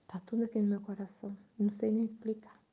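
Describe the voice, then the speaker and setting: Earnest woman, dark low tone. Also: level tone, fast talker, slightly rough, dull audio. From Brazil. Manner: earnest, emotional, confiding, drops to soft near-whispers. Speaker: Catholic channel presenter. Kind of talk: personal spiritual testimony.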